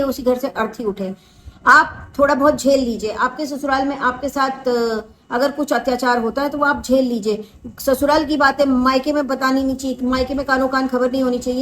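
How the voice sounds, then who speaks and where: A young woman hosts a reaction video and talks through the case in earnest commentary. Her voice sits high, and she mixes Hindi with English phrases as she goes. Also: poor audio. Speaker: host of a reaction channel.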